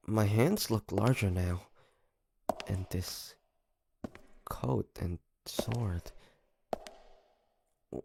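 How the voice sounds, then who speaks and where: A man playing a weary, protective demon hunter in a dramatic audio roleplay, with halting, emotional delivery. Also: fairly low pitch, creaky, noisy background, exaggerated voice. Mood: bewildered, distraught. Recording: roomy with long reverb.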